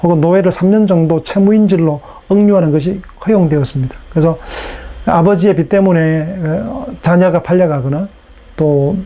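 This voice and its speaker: A man giving a recorded lecture in a casual, unhurried way, with fillers and rhetorical questions, his voice strained from hours of recording. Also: a little high, warm tone.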